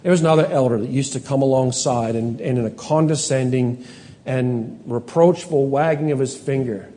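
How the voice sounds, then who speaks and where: A middle-aged man from Canada preaching a sermon as pastor, earnest, reading scripture slowly and with emphasis, sometimes correcting himself. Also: medium pitch, mellow. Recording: long hall reverb.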